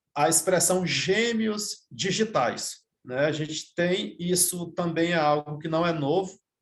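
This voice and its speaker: A man with a strong Maranhão accent speaks at a very slow pace. His pitch is fairly high, with ordinary variation. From Maranhão, Brazil. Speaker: cybersecurity lecturer. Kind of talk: lecture.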